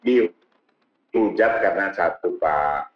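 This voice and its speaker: A man chatting as a talk show guest, animated and earnest, often addressing the host as "sir". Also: low voice, slow pace. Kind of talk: casual talk show conversation. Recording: roomy, dull studio sound.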